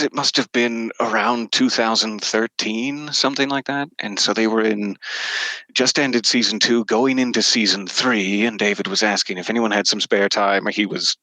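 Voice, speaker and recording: A man's voice: fairly low pitch, pushed and bright, dry recording, rough recording. A middle-aged man telling anecdotes as an interview guest in a casual, wryly self-deprecating way. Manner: self-deprecating, wry humour. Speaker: interview guest, podcast narrator.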